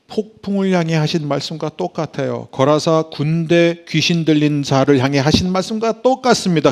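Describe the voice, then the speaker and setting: A middle-aged male pastor preaching a sermon, swinging from hushed whispers to loud, emphatic bursts. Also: high-pitched.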